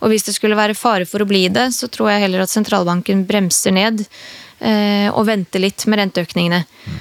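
A woman speaks in an ordinary speaking voice at medium pitch and a moderate pace, with fairly even intonation and a dry, close sound with no echo. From Norway, Sunndalsøra (came from Bosnia as small child). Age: 30s. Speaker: chief economist, housing market analyst. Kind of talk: podcast interview. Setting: live at a public event.

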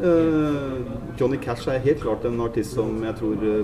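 The recording has audible room echo and noticeable background noise. A man talks with ordinary pitch variation. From Norway, Sandefjord (Vestfold). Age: 50s. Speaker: podcast host. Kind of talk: casual chat; scripted narration. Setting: bar.

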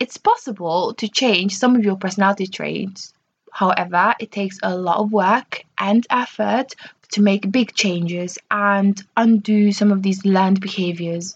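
At a fairly slow pace, a woman speaks with a somewhat breathy voice of medium pitch and fairly even intonation, in a dry, close sound with no echo. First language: not English (English is her third language). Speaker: solo podcaster. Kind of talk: casual solo monologue.

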